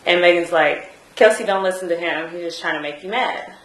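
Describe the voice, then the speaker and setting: A woman's voice: on the low side, fairly quick, a bit bright. Hesitant woman testifying in a roomy courtroom. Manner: hesitant, many fillers and restarts. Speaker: trial witness.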